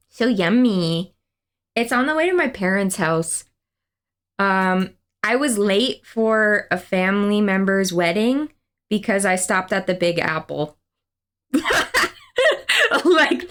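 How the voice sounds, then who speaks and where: A woman's voice: mid-range voice, animated, slow pace. A young woman chatting casually on a game stream, rambling through a story and reading chat aloud. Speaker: livestreamer.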